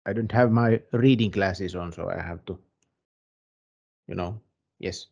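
A man's voice: low-pitched, unhurried, vocal fry, darkish tone, slightly rough, lo-fi sound, exaggerated voice. A man playing a bumbling, easygoing gaming correspondent, rambling hesitantly through a comic news report.

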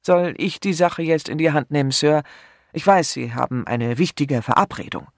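A man's voice: a little high, normal speed, no echo, clean studio sound, voice pushed up, natural voice. Man voicing a shrewd, jovial old chief inspector. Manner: genial, evasive.

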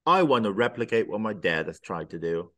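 A man's voice: lowish voice, big pitch swings, brisk, a bit bright. A man interviewing a guest over a video call, asking friendly, chatty questions from a small room.

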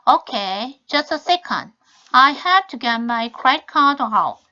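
A woman teaching travel English, reading model sentences slowly and carefully, then explaining them in Korean. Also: high-pitched, big pitch swings, sharp tone, dull audio. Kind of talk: video lesson on travel English.

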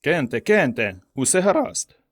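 A man voicing a boisterous, blunt surgeon who shouts in excitement. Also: on the high side, unhurried, pitched above the performer's own voice. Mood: impatient. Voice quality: exclamatory, boisterous. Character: boisterous jubilant male surgeon, loud and blunt.

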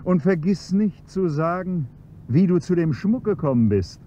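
An actor playing a scheming chauffeur who slides from servile politeness into cold, mocking blackmail, on a dull, faintly hissy radio-play recording. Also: male voice, high voice, lively intonation, unhurried, mellow. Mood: menacing. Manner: polite and servile, then coolly mocking and menacing. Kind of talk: 1970s-style German radio play acting.

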